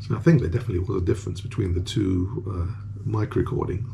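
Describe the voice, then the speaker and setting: Light background noise under a male voice with ordinary pitch variation. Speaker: product reviewer. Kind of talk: casual vlog chat. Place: home room. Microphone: phone near.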